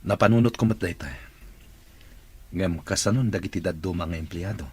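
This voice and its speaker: A man with an Ilocano accent and a husky voice playing a stern, decisive boss in an audio drama. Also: low voice, normal speed. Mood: resolute.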